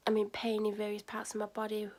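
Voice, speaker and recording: A woman's voice: medium pitch, monotone, fast, a little mellow. A woman vlogging while sick and exhausted, with a sore throat, rambling tiredly with many fillers. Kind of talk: casual vlog chat. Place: bedroom at night, then out by a shop.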